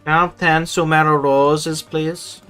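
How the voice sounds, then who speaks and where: A man's voice: a little high, little pitch movement, slow pace, pushed and bright, clean tone, soft background music. A man streaming a video game, chatting casually with viewers in a sweary, rambling way and often repeating himself. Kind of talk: casual live stream chat and gameplay commentary.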